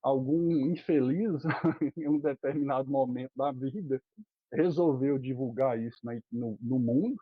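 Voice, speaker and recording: A man's voice: mid-range voice, measured pace, breathy edge, no room sound. Brazilian man explaining over a tinny line. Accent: Brazilian Portuguese. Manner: earnest, critical, many filler words. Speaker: guest teacher. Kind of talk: explaining in an interview. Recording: tinny phone-like dry line.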